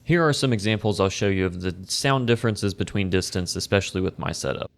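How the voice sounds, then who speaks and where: A man with a somewhat low voice talks through a product review from his home desk. He is easygoing and conversational, often downplaying his own know-how. He sits close to the microphone in a small corner setup. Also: quick pace, vocal fry. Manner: relaxed, conversational, self-deprecating. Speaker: tech reviewer. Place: home desk in a corner facing two walls. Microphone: close condenser desk mic.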